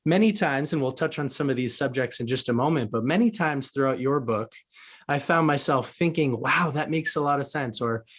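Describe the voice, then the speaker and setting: A man's voice: mid-range voice, normal speed, breathy edge. A man hosting a podcast interview in a conversational, upbeat and articulate way.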